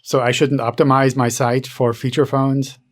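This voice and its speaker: A man's voice: mid-range voice, little pitch movement, normal speed. A man on a podcast in casual banter, playful and often asking questions. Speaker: podcast guest or co-host.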